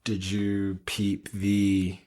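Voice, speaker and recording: A man's voice: low-pitched, monotone, extremely slow, warm tone. A man co-hosting a podcast, talking casually and quoting films in put-on voices. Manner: laughs often, quotes films in put-on voices. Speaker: podcast co-host. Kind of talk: casual chat.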